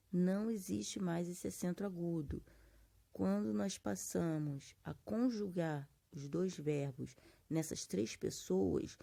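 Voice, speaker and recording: Speaking with a Brazilian Portuguese accent, a teacher of Portuguese gives a classroom grammar lesson in a lowish, gravelly, warm voice. She is patient in her explanations and stretches out example words syllable by syllable.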